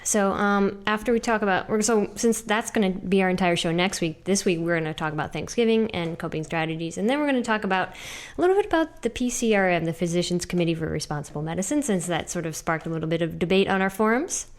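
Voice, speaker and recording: A woman co-hosts a relaxed podcast with a somewhat low voice for a woman. She chats easily, often breaking into laughter. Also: quick pace, few pauses. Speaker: podcast co-host. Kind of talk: casual podcast chat.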